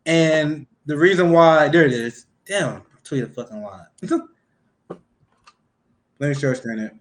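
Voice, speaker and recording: A man with a Midwestern accent hosting a casual livestream, talking fast and getting excited. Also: a little high. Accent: Midwestern American. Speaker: livestream host.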